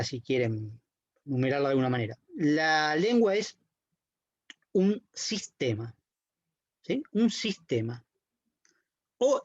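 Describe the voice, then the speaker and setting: A man's voice: fairly high pitch, a little mellow, no echo. Male lecturer, patient explainer, dull and dry lo-fi recording. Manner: explanatory, checks in with "¿sí?" and "¿no?". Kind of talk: university lecture.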